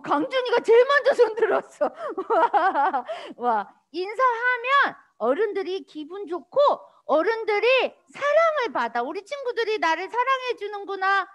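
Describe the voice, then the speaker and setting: A woman pastor giving a children's sermon, animated and sing-song, asking little children questions in a church worship room. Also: very high-pitched.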